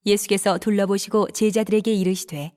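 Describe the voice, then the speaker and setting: A woman narrates scripture in a steady, formal reading voice. Her pitch sits in the middle of the female range. A long hall reverb follows her words. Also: fairly quick. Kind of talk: dramatized Bible reading narration.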